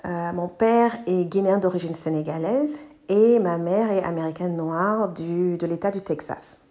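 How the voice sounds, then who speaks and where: Low, mellow-voiced woman telling her story. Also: moderate pace. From Côte d'Ivoire. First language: English. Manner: thoughtful, searching for words, slips into English words. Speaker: podcast host. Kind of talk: personal storytelling monologue.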